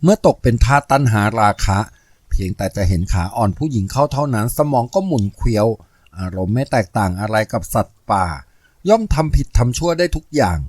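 A man reading a novel aloud in steady, measured scripted narration. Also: mid-range voice, no echo. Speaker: audiobook narrator.

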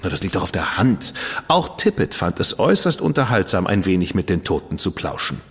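An actor playing a witty, decadent dandy detective's partner in a German radio drama, flippant and ironic. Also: male voice, low-pitched, sing-song, fairly quick, slightly rough, big-room sound, exaggerated voice. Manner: flippant, ironic, self-satisfied.

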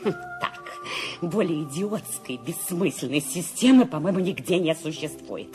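An actress playing a nervous, demanding bedridden woman in a radio play, shrill and fretful. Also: lively intonation, normal speed, over music. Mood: indignant. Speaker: Mrs. Stevenson. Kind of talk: Soviet-era radio play acting.

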